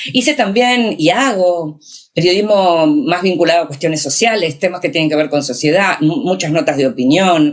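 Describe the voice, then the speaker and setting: Speaking at a moderate pace with a Rioplatense accent, a woman uses a fairly low pitch and lively intonation, her loudness very even throughout. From Argentina. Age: 60s. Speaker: journalist and writer. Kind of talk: interview conversation.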